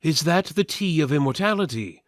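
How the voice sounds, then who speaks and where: A man's voice: a little high, lively intonation, normal speed, dry recording, clean studio sound, pitched above the performer's own voice, lightly acted. A man voicing a grave, vengeful adventurer in a fantasy story reading, formal and intense. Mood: questioning.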